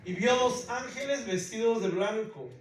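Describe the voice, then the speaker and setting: A man's voice: high voice, measured pace, a little hiss or hum. A man preaching a sermon with emphasis to his congregation in a church, calling out to them again and again. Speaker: pastor. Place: church in the United States. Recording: very echoey church hall, mic far off.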